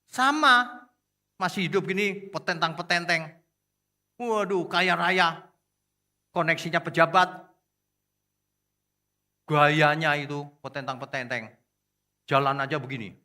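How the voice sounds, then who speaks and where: A middle-aged male pastor preaching a sermon, animated, scolding and joking with his congregation and acting out quotes in voices. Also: a little high, unhurried, long pauses.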